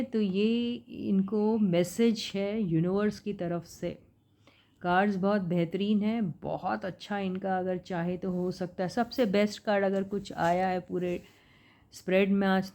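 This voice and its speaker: A woman's voice: mid-range voice, a little mellow. A woman giving a casual tarot reading, talking to her viewers in a chatty way, asking them questions and mixing in English phrases. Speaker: tarot reader.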